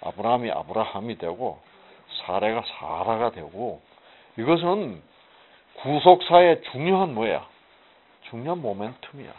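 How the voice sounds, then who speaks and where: A man's voice: medium pitch, animated, measured pace, slightly rough. A man teaching a casual Bible study, asking rhetorical questions and answering them himself with emphasis. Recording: muffled phone-like audio.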